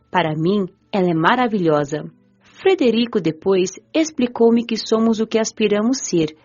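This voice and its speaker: A woman's voice: medium pitch, darkish tone. A woman with a Brazilian accent reading scripted first-person narration for an audiobook. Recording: muffled lo-fi audio with music.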